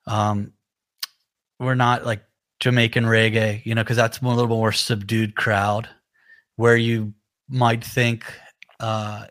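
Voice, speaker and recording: A man's voice: lowish voice, little pitch movement, takes it slowly, pauses often, a bit bright. Laid-back nasal-voiced man chatting. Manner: rambling, laid-back, many fillers. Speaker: musician co-hosting a live chat. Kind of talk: casual chat.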